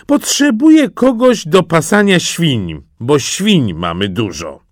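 A man voicing a fussy, sentimental old emperor who speaks in a pompous, drawn-out way, in a children's fairy tale. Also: a little high, sing-song, dry recording, studio quality, pitched above the performer's own voice. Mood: hearty. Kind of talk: children's storytelling.

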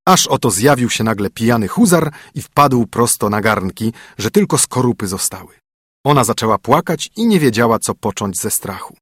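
A man reads a fairy tale aloud at a steady, measured pace. His mid-pitched voice is husky, recorded close and dry with no room sound. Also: dry recording. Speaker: narrator.

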